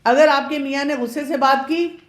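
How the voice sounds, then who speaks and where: Speaking in a high voice with fairly even intonation, a woman pediatrician offers chatty advice in an informal marriage awareness talk to women. English words slip into her speech, and the room echoes.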